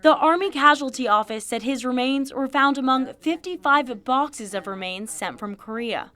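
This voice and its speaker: A woman's voice: sits high, normal speed, sharp tone. An American woman reading scripted news narration as a television reporter.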